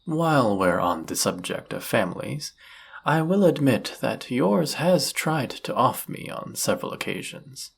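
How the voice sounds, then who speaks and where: A man playing an arrogant demon prince of lust in an audio roleplay, speaking in a suave, condescending, flirtatious manner with a husky, gravelly voice. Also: mid-range voice, lively intonation, a little slow, heavily acted. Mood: mocking, haughty. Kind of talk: scripted audio roleplay addressed to the listener.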